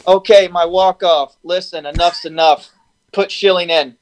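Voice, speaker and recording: A man's voice: sits high, fairly even intonation, normal speed. A man co-hosting a casual sports talk show, blunt and firing off dry one-liners. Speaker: co-host.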